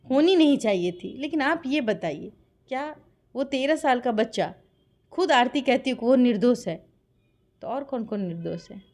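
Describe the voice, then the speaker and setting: A woman from Bihar, India, with a Bihari accent gives an impassioned interview account of a dispute, insistent and full of rhetorical questions. Her voice is high-pitched and a little mellow.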